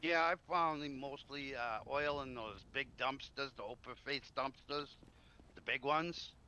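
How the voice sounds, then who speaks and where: In an online roleplay game, a man plays a trader, improvising casual in-character chat and explaining things in a talkative way. His mid-range voice is bright, pushed and smooth at a measured pace, heard over noisy game voice chat.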